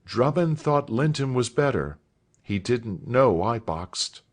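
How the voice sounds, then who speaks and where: A man's voice: mid-range voice, very animated, slow pace, voice pushed up. A man reading aloud voices a nervous, earnest teenage schoolboy who speaks hesitantly.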